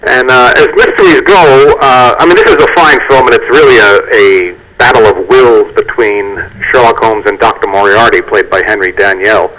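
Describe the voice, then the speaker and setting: A man's voice: mid-range voice, moderate pace, few pauses, fairly bright tone, rough recording. A man in his sixties, a guest on a community TV show, talking casually about an old film with many fillers and restarts. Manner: chatty, anecdotal, frequent fillers and restarts. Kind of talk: casual studio interview. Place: community TV studio.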